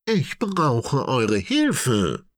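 A man's voice: lowish voice, wildly swooping pitch, slow pace, breathy edge, dry recording, voice pushed up, full character voice. A man voicing a kindly old female elephant in a children's storybook, cheerful and calling out.

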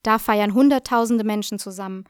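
A woman presenting a language lesson, explaining in a clear, measured, scripted way. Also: mid-range voice, dry recording, studio quality.

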